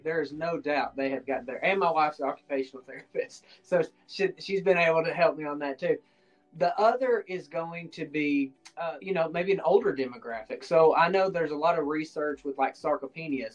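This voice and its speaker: A man hosts an interview with a slightly high voice. He asks his questions in a friendly, loose way, stumbling and restarting as he goes. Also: rough recording. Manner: friendly, halting, with frequent restarts and fillers. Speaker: podcast host.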